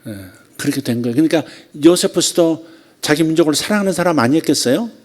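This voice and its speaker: A man's voice: a little high, animated. A man, a pastor, preaching a sermon in a conversational way, asking rhetorical questions and acting out quoted lines. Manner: acts out quoted lines with drawn-out repetitions.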